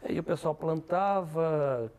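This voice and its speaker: A man's voice: fairly high pitch, a little slow, darkish tone. A man, hosting a TV interview in a conversational way. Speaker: TV interview host.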